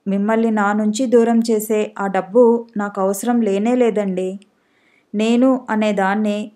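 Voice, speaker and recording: A woman's voice: mid-range voice, mellow, close to an everyday voice. A woman reading the part of a hurt young wife who feels neglected, reproachful and pleading in a storybook reading. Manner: tearful, reproachful.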